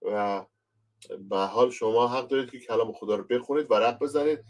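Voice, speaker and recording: A man from Iran teaches scripture as a pastor in an unhurried online lesson. His voice sits in an ordinary middle range, and he keeps turning to address his listeners as he explains each point. He sounds a little distant from the microphone. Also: medium pitch, a little mellow. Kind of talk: conversational online Bible lesson.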